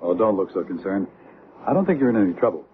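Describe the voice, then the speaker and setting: An earnest doctor fascinated by UFOs in an old radio play. His voice is very low and lively in pitch, conversational in manner. The recording is muffled and noisy. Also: fast. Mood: casual, probing. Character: open-minded male doctor and UFO researcher, earnest, smooth-talking. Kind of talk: radio drama acting.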